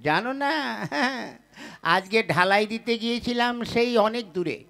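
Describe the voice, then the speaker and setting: A man's voice: high-pitched, normal speed, bright, forceful tone. A man playing a henpecked, boastful young labourer in love in a Bengali folk puppet comedy, with wheedling, blustering patter. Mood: placating.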